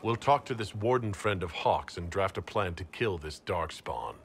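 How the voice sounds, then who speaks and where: Lowish male voice, determined fantasy leader, game dialogue, varied intonation, faint ambient noise. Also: animated, a little slow. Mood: resolute. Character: steady, resolute male leader of a fantasy inquisition. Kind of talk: video game dialogue acting.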